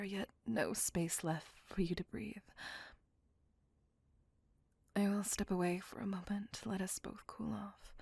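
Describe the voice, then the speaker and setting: A possessive female vampire lover, voiced by a woman, whispers right up against the mic in an ASMR roleplay. Her whisper is husky and gravelly, dry and close, with nothing of the room around it. She speaks in a doting, apologetic way. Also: mid-range voice, no room sound, heavily acted. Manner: intimate, apologetic, slow and doting.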